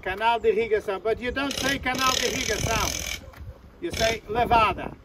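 An older man guiding a walk outdoors, explaining plants and sights in halting, playful English. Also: very high voice, heavy background noise. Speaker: tour guide. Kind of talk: guided walk commentary. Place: outdoors on a mountain path.

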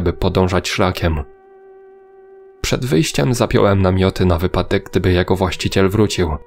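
Very deep, gravelly male narrator. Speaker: horror story narrator. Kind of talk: scripted first-person narration.

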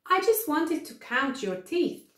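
A woman voicing a friendly, encouraging male dentist from a children's storybook, explaining things gently. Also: high voice, sing-song, unhurried, pitched above the performer's own voice, full character voice. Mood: cheerful, encouraging. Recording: echoey room.

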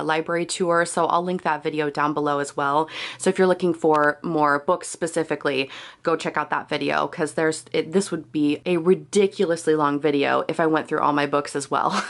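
A young woman with a congested cold voice, chattily narrating a tour of her room in a casual, thorough way. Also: lowish voice. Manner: chatty, thorough, laughs often. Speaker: occult vlogger. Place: home bedroom.

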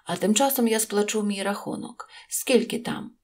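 A woman voicing a quiet, kind male traveller in a storybook, speaking calmly and with few words. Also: mid-range voice, normal speed, lightly acted. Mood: restrained. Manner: calm, restrained, few words.

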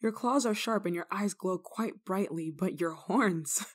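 A woman playing a kindly, rule-breaking nun in an ASMR roleplay, speaking to the listener in a gently teasing, caring manner. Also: mid-range voice, a little slow, husky. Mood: amused teasing. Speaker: roleplay voice actor.

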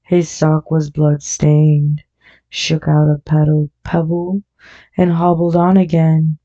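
A woman narrates a classic novel in a very slow, measured reading. Her voice is low, dark and gravelly, and the recording is dull and lo-fi. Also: monotone. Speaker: audiobook narrator. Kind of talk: scripted narration. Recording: dull lo-fi audio.

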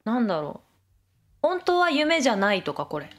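A woman's voice: a little high, sing-song, normal speed. A young woman giving Let's Play commentary, chatting to herself as she plays, often laughing and reacting with surprise. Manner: chatty self-talk, frequent laughter and surprised exclamations. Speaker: game streamer.

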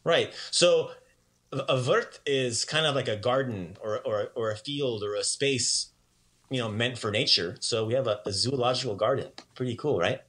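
Bright-voiced upbeat man teaching. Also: mid-range voice. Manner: upbeat, chatty, repeats words slowly for learners. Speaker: language teacher. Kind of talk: casual puppet-show language lesson.

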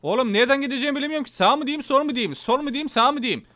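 Excitable high-voiced Turkish man gaming. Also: rapid-fire. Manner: excitable, swears playfully, talks to viewers. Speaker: gameplay YouTuber. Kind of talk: casual gameplay commentary.

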